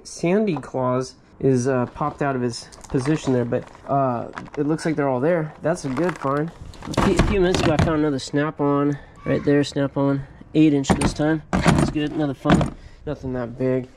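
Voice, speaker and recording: A man's voice: a little high, darkish tone, a little hiss or hum. Man musing over a storage locker find. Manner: musing aloud, lots of hmms and little laughs. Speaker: storage locker reseller host. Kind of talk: casual unboxing commentary. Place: cluttered metal storage unit.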